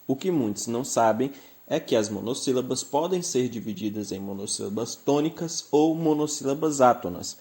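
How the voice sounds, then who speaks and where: Brazilian male teacher, dark mellow tone, mid pitch, patient and clear, leans on example words. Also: expressive, moderate pace. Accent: Brazilian Portuguese. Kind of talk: recorded grammar lesson.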